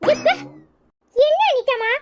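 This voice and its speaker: A woman's voice: extremely high pitch, expressive, slow pace, heavy background noise, pitched above the performer's own voice, exaggerated voice. A woman voicing a playful little village girl in a cartoon, with a Tirunelveli Tamil accent and sing-song chatter. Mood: chirpy. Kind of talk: cartoon voice acting.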